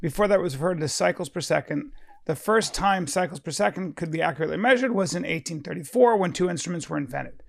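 A man's voice: on the high side, fast, vocal fry, dry recording, studio quality. A man in casual chat, telling stories bluntly, with swearing and many restarts. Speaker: podcast co-host.

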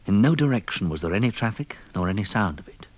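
An actor playing a level-headed, kindly man with an English accent in a 1960s radio drama, brisk, articulate and reassuring. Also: lowish voice, lively intonation. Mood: grave, narrating. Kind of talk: 1960s British radio drama acting and narration. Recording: old radio recording, faint noise.

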